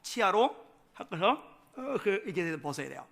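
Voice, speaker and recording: A male pastor delivers a revival sermon in a church sanctuary. His voice sits high and sounds bright and forceful. He shifts between soft, confiding storytelling and loud, rousing proclamation. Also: sing-song, measured pace, vocal fry. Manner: builds from quiet storytelling to loud shouted preaching.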